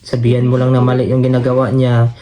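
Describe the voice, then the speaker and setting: A man's voice: medium pitch, monotone, fast, mellow. A man from the Philippines vlogging casually to his viewers as a father, chatting and calling them countrymen. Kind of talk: casual vlog talk to viewers. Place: snowy outdoors, then indoors at home. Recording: noisy phone recording.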